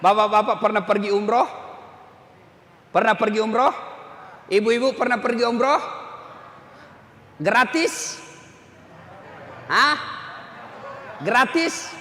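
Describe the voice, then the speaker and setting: A man's voice: high-pitched, steady tone, takes it slowly, long pauses, bright, forceful tone. A man, preaching a humorous sermon and acting out characters in his stories. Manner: joking storyteller, acts out characters. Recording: echoey hall, faint noise.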